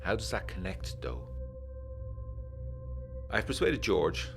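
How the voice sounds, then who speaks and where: A brooding, old-fashioned gentleman of the 1920s with a very low voice. He reads his letter in formal period diction, worried and indignant, with measured emphasis. Faint music plays under this gothic audio drama. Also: huge pitch swings, creaky, heavily acted. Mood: grave, pondering.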